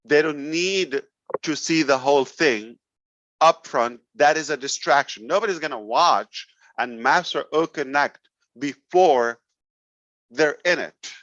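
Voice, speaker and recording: A man's voice: fairly high pitch, a little slow, fairly bright tone, no room sound. A man leading a company, addressing members in a blunt, emphatic motivational talk. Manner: blunt, emphatic, sarcastic at times. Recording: dull, dry recording.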